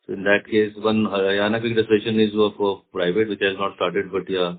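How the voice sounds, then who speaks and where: Indian male executive, slightly deep voice, fielding investor questions on a narrow telephone connection. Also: level tone, a little fast. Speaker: company executive answering investors. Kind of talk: earnings call answers. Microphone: phone conference call. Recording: narrow muffled phone line.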